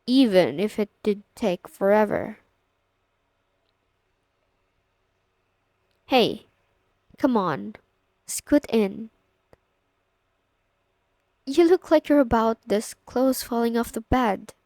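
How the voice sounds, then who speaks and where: A woman's voice: fairly high pitch, lively intonation, slow pace, long pauses, darkish tone, no echo. A young woman playing a confident, teasing older sister of a best friend in an intimate, casual ASMR roleplay spoken to the listener. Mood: pleased, teasing.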